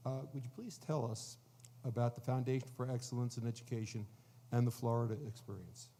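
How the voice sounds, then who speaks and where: A man moderating a conference panel, introducing the guests formally in a measured way with frequent fillers. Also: mid-range voice, steady tone, dark tone, a little hiss or hum.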